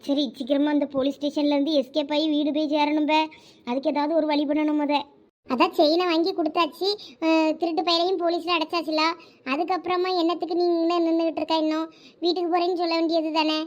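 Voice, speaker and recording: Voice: high-pitched, little pitch movement, quick pace, lo-fi sound, natural voice. A voice actor playing an anxious teenage college girl in a cartoon, speaking Tamil with a Thoothukudi accent, pleading and nervous. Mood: chatty. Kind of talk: cartoon voice acting.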